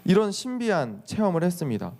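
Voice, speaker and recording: A young man, a youth pastor, preaching to teenagers in a lively storytelling way, asking the listeners questions and acting out what people say. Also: high-pitched, brisk. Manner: lively storytelling, acts out quotes with exclamations; addresses the listeners directly with questions. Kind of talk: sermon to teenagers.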